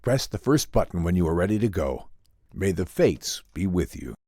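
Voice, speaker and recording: A man's voice: deep voice, sing-song, moderate pace, dark tone, no room sound, studio quality, heavily acted. Firm, solemn professor, voiced by a man. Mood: solemn farewell. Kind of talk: dramatic audiobook character reading.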